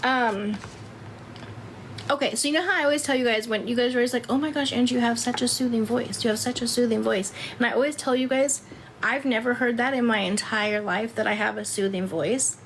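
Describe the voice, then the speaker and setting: Loud chatty woman in her fifties. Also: a little high, a little fast, a little hiss or hum, rough recording. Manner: chatty, loud, laughing often. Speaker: live streamer. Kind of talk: casual chat with viewers.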